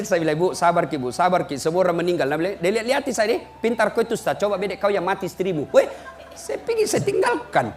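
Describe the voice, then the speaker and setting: A man preaching a humorous sermon, telling stories with mimicked voices and lively rising questions. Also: very high-pitched. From Indonesia.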